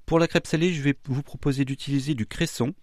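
A man's voice: medium pitch, steady tone, fast talker, dry recording, studio quality. A man appearing as a chef guest on a radio show, answering questions and explaining recipes in an assured way.

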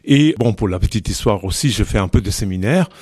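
A low-pitched older man from Italy who speaks as a native Italian in a French interview. He pauses often, restarting his sentences and filling gaps with hesitations. He is recorded in a large meeting hall. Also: lively intonation, darkish tone, slightly rough. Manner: hesitant, many restarts and fillers. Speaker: interview guest. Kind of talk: conversational radio interview.

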